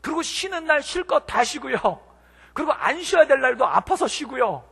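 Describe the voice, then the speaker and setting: Animated pastor, high gravelly voice. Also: male voice, normal speed. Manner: storytelling with acted quotes, animated. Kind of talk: sermon. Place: church sanctuary. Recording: long reverb of a church hall.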